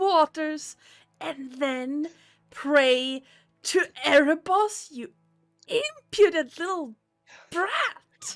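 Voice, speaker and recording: A female-sounding put-on character voice sits at an extremely high pitch. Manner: pompous, haughty, scolding.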